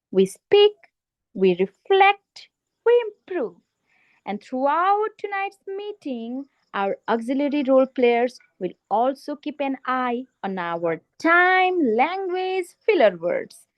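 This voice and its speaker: High, lively woman speaking slowly. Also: muffled recording. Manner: slow, deliberate delivery with rhetorical pauses; emphatic, in short list-like phrases. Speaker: meeting host. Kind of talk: formal speech opening a club meeting.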